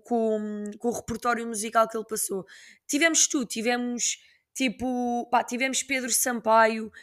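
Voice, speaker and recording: A young woman from Portugal, talking alone on her podcast. Her voice sits a little high, and she tells stories in a loose, slangy, lively way, full of casual asides to her listeners. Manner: slangy, chatty, animated storytelling. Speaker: podcast host. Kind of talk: casual solo podcast chat.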